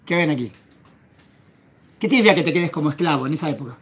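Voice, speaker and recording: A man's voice: fairly high pitch, animated, fast talker, slightly rough. A man teaching a Torah class as a rabbi, quizzing his students and acting out the verses. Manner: questions the class and acts out the verses.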